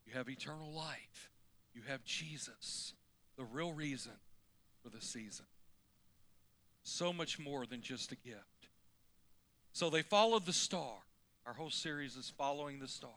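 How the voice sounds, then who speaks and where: Folksy, bright-voiced preacher man. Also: medium pitch, normal speed, pauses often. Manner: folksy, animated preaching with sudden loud climbs. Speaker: pastor. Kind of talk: sermon.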